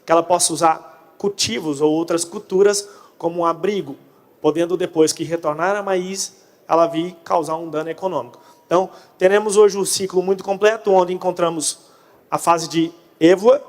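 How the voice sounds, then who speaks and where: A man's voice: sits high, fairly even intonation, moderate pace. A Brazilian man, a native Portuguese speaker, giving a conference presentation in Portunhol, a mix of Portuguese and Spanish. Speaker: conference speaker on pest control. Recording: echoey hall, long reverb.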